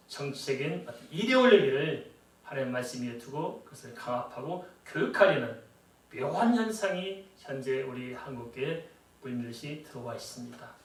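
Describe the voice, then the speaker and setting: A middle-aged man preaching a sermon as a pastor, talking conversationally and often asking the congregation rhetorical questions. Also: on the high side. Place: church sanctuary. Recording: echoey church hall, voice from a distance.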